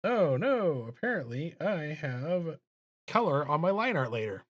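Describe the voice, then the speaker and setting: Guy chatting on an art stream, kinda slow n mumbly, pokes fun at himself, thinks out loud. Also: big pitch swings. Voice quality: deep voice. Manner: mumbly, self-deprecating, thinking aloud. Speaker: livestreaming illustrator and host. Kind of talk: casual livestream chat while drawing. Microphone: streaming microphone.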